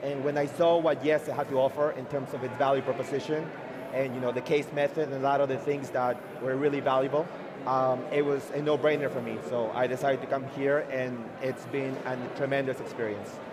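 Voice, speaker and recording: Speaking with a Spanish accent, a man uses a fairly high pitch and a monotone, flat intonation at a fairly quick pace. Audible room echo and noticeable background noise fill the recording. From South America. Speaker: master's student. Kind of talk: panel interview.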